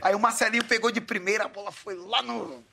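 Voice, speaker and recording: A man telling lively anecdotes in casual chat as a guest, acting out the lines of the people in his stories. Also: high voice, quick pace, gravelly. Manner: animated anecdotes, acts out quoted lines. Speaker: guest, former footballer.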